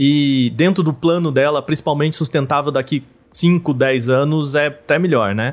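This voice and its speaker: A man speaks in a plain, everyday voice at a fairly high pitch and a moderate pace. His loudness stays very even, his intonation is fairly even, and the background is quiet. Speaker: podcast host. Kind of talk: casual chat.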